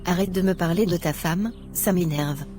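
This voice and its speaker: A woman's voice: on the low side, moderate pace, over music, lightly acted. A woman playing a possessive, irritable, demanding mistress in a Christian cartoon. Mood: jealous, annoyed. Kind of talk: scripted Christian animation dialogue.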